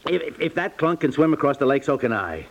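An actor playing a stubborn, stammering husband with wounded pride in a 1950s radio comedy. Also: male voice, a little high, sing-song, fast talker, gravelly, full character voice. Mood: indignant, stubborn. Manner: stammering, exasperated. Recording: muffled vintage 1950s radio recording.

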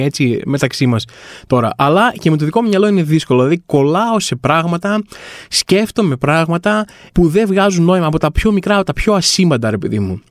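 Guy doing a rambly comic podcast monologue, wry and self-mocking, kinda high voice, dry close sound. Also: dry recording. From Greece. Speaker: podcast host.

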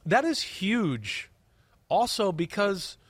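A podcast co-host with a stuffy, congested voice talks football casually at a studio desk, close-miked with no room sound. His high, sing-song voice moves slowly as he speaks emphatically, repeating words and tagging "right?" onto his points.

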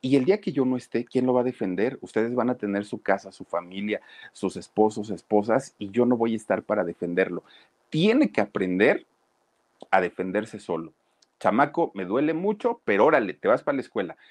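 A man speaking as a stern, determined mother in a told story, firm and insistent, the voice pitched low and moving up and down a lot as she lays down the law to her family. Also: expressive, moderate pace. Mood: firm, pained. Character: stern determined mother, middle-aged woman.

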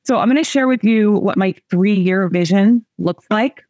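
A woman's voice: medium pitch, measured pace, darkish tone, no room sound. Chatty woman in her forties coaching. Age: 40s. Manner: chatty, laughing, emphatic, addresses audience directly. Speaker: coach and host. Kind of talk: motivational coaching talk to a group.

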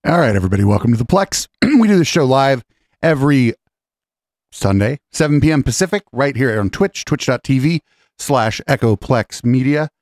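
A hoarse man at mid pitch hosts a live stream in a loose, casual manner, clearing his throat between remarks. The studio mic sounds dry and close, with little room behind him. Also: normal speed, no echo. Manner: relaxed, loose delivery with fillers. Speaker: podcast host. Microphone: studio microphone.

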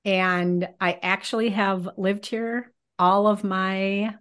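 A woman's voice: medium pitch, flat delivery, slow, a bit bright, clean tone. A woman in her fifties from Minnesota with a Minnesota accent, chatting casually as a podcast guest, laughing often and restarting phrases. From Minnesota, USA. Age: 50s. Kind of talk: casual interview conversation.

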